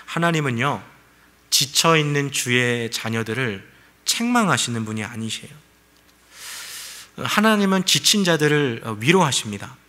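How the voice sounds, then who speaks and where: Bright-voiced man preaching conversationally. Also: medium pitch. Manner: conversational preaching with rhetorical questions. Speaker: pastor. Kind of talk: sermon.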